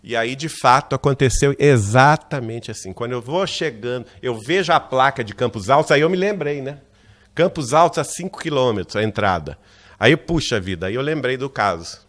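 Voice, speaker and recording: A man with a Brazilian Portuguese accent from Minas Gerais gives a talk as a lecturer at a spiritist center. He tells a personal anecdote with lively energy and keeps asking his listeners "né?" His voice sits at a middling pitch. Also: moderate pace. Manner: lively narrator who acts out quoted dialogue, often asks "né?".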